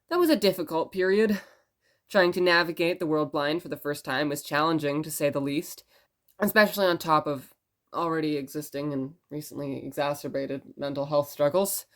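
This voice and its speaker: Woman playing a low-voiced, musing radio host. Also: lightly acted. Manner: musing, conversational. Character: rambling, gentle blind radio station host. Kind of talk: storytelling radio monologue in audio drama.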